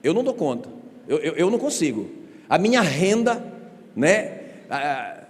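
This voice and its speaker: A male pastor preaching a sermon in an animated, conversational way, full of rhetorical questions and joking asides, in a church sanctuary. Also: on the high side, measured pace. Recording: reverberant church hall.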